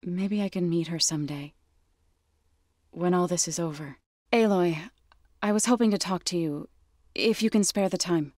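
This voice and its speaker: A woman playing a gentle, resolute tribal warrior in a video game, speaking in a measured, solemn, softly sincere way. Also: lowish voice, no room sound, studio quality, close to an everyday voice. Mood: earnest, calm. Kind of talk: scripted game character dialogue. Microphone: close studio microphone.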